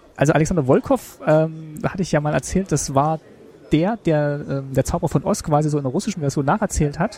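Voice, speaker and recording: A man with a fairly high pitch speaks in a dark, mellow tone with ordinary pitch variation. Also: fairly quick pace. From Gera region, Thuringia, East Germany. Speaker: podcaster. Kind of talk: casual chat. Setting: walking around a museum.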